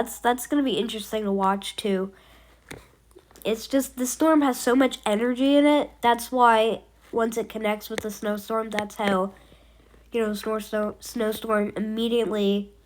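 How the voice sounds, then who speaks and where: A woman's voice: fairly high pitch, slight background noise. A woman giving a casual storm update as an amateur weather forecaster, rambling and hesitant with many fillers, while she has a cold.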